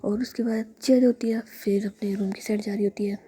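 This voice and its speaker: A woman's voice: mid-range voice, steady tone, a little fast, mellow, slightly rough. Whispering woman telling a story.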